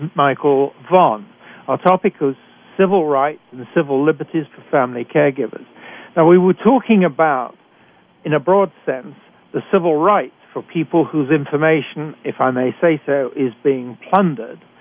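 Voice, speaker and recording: With a British accent, a man of fairly high pitch talks at a moderate pace, showing ordinary pitch variation and big swings in loudness. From Britain. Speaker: radio host, retired physician. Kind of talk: talk radio interview.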